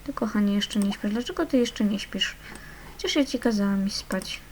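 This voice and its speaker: Young woman, casual let's-play commentary, coaxing endearments, medium pitch, faint background hiss. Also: normal speed. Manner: chatty, coaxing the game characters with endearments. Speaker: gaming channel host.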